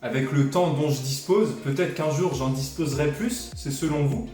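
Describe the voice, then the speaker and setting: A man's voice: a little high, moderate pace, warm tone, soft background music. A young man talking informally and slangily as a fitness vlogger in a casual Q&A video. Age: young adult. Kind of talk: casual chatty Q&A vlog. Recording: very echoey room.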